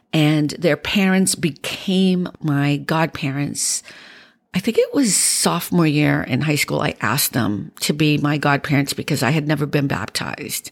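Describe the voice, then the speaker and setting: Speaking at a fairly slow pace, a woman with a very deep, low pitch and a warm tone shows vocal fry, ordinary pitch variation and very even loudness. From Boston. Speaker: podcast host and live streamer. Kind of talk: casual solo podcast monologue. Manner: warm, conversational.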